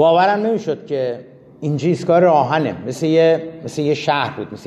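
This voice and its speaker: A man's moderate-paced speech carries audible echo from the room. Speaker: history lecturer. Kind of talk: lecture.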